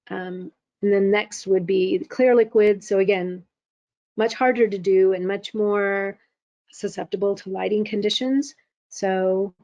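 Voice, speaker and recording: A woman walks through a software demo in an online webinar, pausing often with ums. Her voice is going hoarse and she keeps clearing her throat. The call audio is dull and dry, with no room sound. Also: medium pitch, no echo. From California. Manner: halting, many ums. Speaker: presenter.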